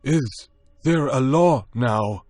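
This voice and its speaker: A man voicing an anxious, fearful ape-man in a storybook reading, raising his voice high and pleading. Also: expressive, very slow, darkish tone, dry recording, studio quality.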